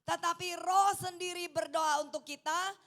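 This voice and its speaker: Animated high-voiced East Javanese woman preacher. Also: normal speed. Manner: animated, mixes in Javanese, coaxes the congregation to say amen. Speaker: evangelist preacher. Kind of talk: lively sermon. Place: church hall.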